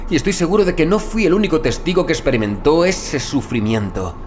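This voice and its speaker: A man narrating a scripted first-person horror story in a measured, deliberate literary manner. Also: a little high, sing-song, darkish tone, faint music behind. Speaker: audiobook narrator.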